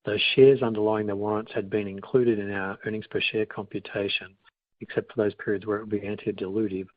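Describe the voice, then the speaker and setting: A man with a fairly low, very even voice delivers prepared financial remarks on an earnings call. His reading is formal and measured, with little melodic movement. The sound is narrow like a telephone line. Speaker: company finance executive. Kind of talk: scripted earnings call presentation. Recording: boxy phone-like line with room echo.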